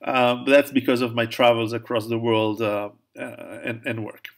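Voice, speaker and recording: A man speaks in a casual question-and-answer monologue at a middle pitch. He stumbles and restarts often, fills pauses with "um", and chuckles at his own jokes. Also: flat delivery. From Italy, raised in Switzerland. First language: Italian. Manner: hesitant, many restarts and fillers, laughs at own jokes. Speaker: author answering viewer questions.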